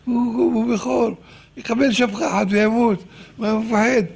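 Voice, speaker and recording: A panicky old king cries out in a high, husky, strained voice, as an older preacher acts him out while telling a story. He sounds frantic and frightened, pleading and yelling. The feel is a lively sermon retelling. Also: full character voice.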